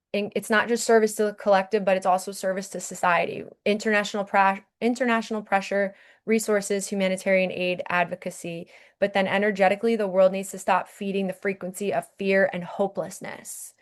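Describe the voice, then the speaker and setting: A woman hosts a spiritual podcast in an impassioned, earnest voice. She urges her listeners on and keeps checking in with them. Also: mid-range voice. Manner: earnest, urging, repeats "okay?". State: briefly emotional.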